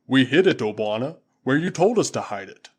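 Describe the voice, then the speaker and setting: A man's voice: medium pitch, very animated, brisk, slightly rough. A male audiobook reader voicing a proud, loyal tribal warrior who speaks emphatically and respectfully to his master. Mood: earnest. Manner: emphatic, earnest, deferential. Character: proud loyal African tribesman, warrior servant.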